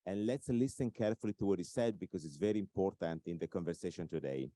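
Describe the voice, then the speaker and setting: This Italian-accented man has a low, mellow voice. He explains his points in an interview, filling pauses with uhs and leaning on the key phrases. The sound is close and dry. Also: no echo. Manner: explanatory, many filler uhs, emphatic points. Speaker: author and expert speaker. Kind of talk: recorded interview talk.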